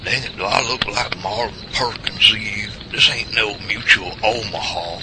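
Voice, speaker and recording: A man's voice: on the low side, fairly even intonation, normal speed, close to an everyday voice. A man playing a grumpy old rural monster hunter with a folksy Southern US drawl in an audio drama. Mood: grumpy, defensive. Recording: loud outdoor ambience noise over voice.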